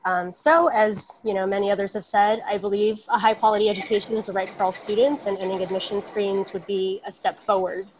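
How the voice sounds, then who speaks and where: Woman on a group video call, earnest prepared statement, pretty flat delivery. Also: mid-range voice, a little fast, hardly any pauses, slight background noise, rough recording. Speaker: educator giving public comment. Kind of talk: prepared public comment at an online meeting.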